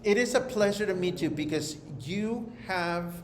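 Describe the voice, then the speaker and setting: Playful chatty male talk host. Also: sits high. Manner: playful, chatty, drawn-out phrasing. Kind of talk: live interview chat. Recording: echoey room with background noise.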